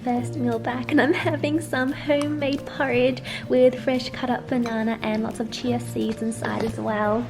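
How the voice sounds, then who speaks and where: Young female vlogger, higher voice, upbeat and chatty, filmed at arm's length with prominent music underneath. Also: creaky. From Melbourne, Australia. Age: 20s. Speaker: travel vlogger. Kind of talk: casual vlog chat to camera. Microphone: camera at arm's length. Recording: loud background music.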